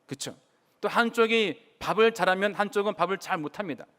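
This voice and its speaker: Male preacher with a high, clear voice, giving an earnest sermon in a church sanctuary. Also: fairly quick, pushed and bright. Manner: earnest preaching, asks the congregation questions. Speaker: pastor.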